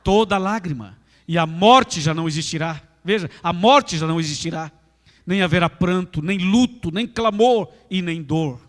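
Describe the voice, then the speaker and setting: Male pastor, Brazilian Portuguese accent, high voice, emphatic sermon, long church reverb. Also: normal speed, a bit bright. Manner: emphatic, repetitive preaching, addresses listeners directly. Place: large church with a gallery. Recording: echoey church hall.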